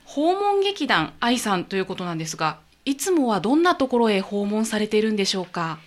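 A woman hosting a community radio interview, asking questions in a lively, friendly way. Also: mid-range voice, brisk. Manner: lively, bright interviewer with frequent laughs. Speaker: radio host.

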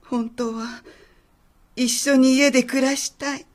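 A woman acting as an elderly mother in a radio drama, brisk and confident at first, then quiet and halting. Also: high voice, steady tone. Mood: frail. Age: older.

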